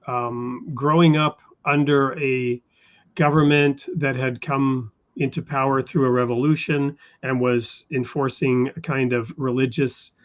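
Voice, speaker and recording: Male interview host, measured and thoughtful, mid pitch, dull lo-fi sound. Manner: measured, thoughtful with frequent fillers. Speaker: show host. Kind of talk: interview conversation.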